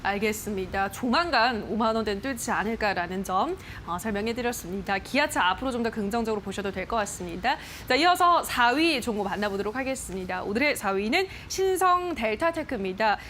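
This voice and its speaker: A woman's voice: on the high side, lively intonation, a little fast, few pauses, a little hiss or hum. A woman hosting a TV stock program, reading viewer posts aloud and questioning an expert in a chatty broadcast manner. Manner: bright, chatty, reads posts aloud with playful voices. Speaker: stock show host. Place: TV studio.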